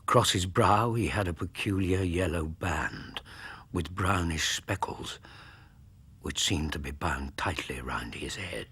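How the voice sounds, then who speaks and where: A man narrating a story in a grave, measured way. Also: low voice, sharp tone, slightly rough.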